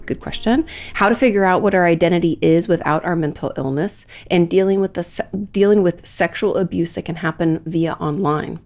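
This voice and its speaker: A woman's voice: on the low side, fairly quick, darkish tone, faint music behind. A woman with a stuffy, nasal head cold, hosting a solo podcast as a therapist answering listener questions in a chatty way with fillers and restarts. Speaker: podcast host, licensed therapist.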